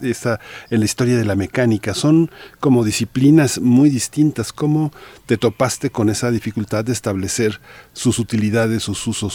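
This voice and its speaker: A man's voice: fairly low pitch, a little mellow. A man interviewing a guest, asking long and thoughtful questions.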